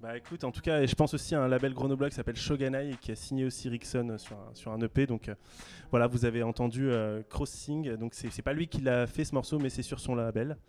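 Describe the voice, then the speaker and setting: A man's voice: medium pitch, fast talker, hardly any pauses. Hesitant man hosting a radio show. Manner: relaxed, hesitant with many fillers. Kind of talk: casual radio chat show. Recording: music playing faintly behind.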